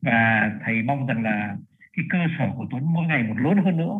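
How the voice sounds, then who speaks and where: A man at a medium pitch, with lively intonation and a moderate pace. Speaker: author and speaker. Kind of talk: panel discussion. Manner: halting, many fillers.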